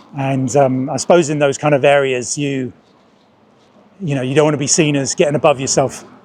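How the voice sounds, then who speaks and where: Fairly quick speech with long, frequent pauses and fairly even intonation, over noticeable background noise. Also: man, fairly high pitch for a man. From southeast London. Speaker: bird vlogger and taxi driver. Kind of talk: casual vlog. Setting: outdoors. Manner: fast.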